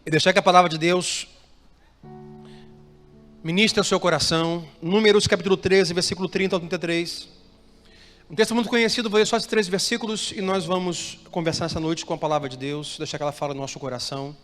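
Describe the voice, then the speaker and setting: A Brazilian man with a high voice preaches to his congregation and keeps calling on them to repeat phrases and answer his questions. His voice rings through a reverberant church hall. Soft music plays faintly underneath. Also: steady tone, a little fast. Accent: Brazilian Portuguese. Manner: preaching with call-and-response prompts to the congregation. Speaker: pastor. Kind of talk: sermon.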